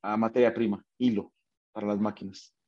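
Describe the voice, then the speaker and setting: A man's voice: lowish voice, fairly even intonation, a little fast, dull audio. A man with a Mexican accent telling his life story in a casual interview, acting out quoted dialogue, with many fillers and restarts.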